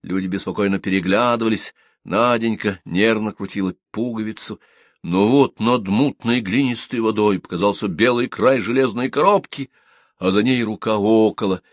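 A man narrating an audiobook with expressive storytelling in a dry, close recording. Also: fairly low pitch, moderate pace, dry recording. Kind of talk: audiobook reading.

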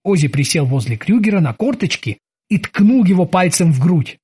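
An expressive audiobook narrator reads the chapter aloud. The voice rises and falls widely, with a husky, breathy texture. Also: mid-range voice, moderate pace. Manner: expressive reading.

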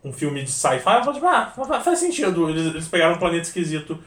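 A young man in his twenties, co-hosting a podcast over a video call, talking in an animated, rambling way full of restarts and swearing. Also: on the high side, very fast, echoey room, far from the mic. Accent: Brazilian Portuguese. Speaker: podcast co-host.

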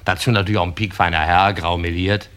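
A man telling a string of jokes in an animated, drawling stage manner. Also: low-pitched, quick pace, slight background noise. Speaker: comedian.

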